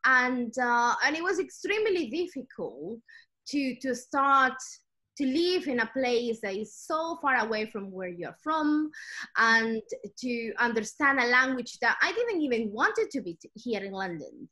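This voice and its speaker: A woman's voice: fairly high pitch, very animated, unhurried, pushed and bright. A middle-aged woman from Ecuador with an Ecuadorian Spanish accent, a native Spanish speaker answering interview questions in a reflective, storytelling way. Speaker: guest.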